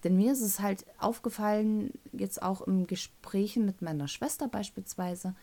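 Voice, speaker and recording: A woman's voice: medium pitch, normal speed, dark tone. A woman in her thirties with a Thuringian German accent, hosting her own podcast in a rambling, casual way with fillers and self-corrections. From North Rhine-Westphalia, Germany. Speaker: podcast host. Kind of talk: casual solo podcast talk.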